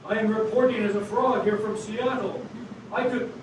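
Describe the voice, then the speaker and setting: A man plays a very high-voiced frog reporter who puts on a solemn newsreader tone. He is heard from far across an echoing stage, with noise in the background. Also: steady tone, normal speed, natural voice. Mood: mock-serious. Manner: mock-authoritative newsreader delivery, breaks into laughter. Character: male frog news reporter, earnest, self-important. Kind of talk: live improv comedy. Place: theater stage with audience. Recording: echoey stage from far off, noisy.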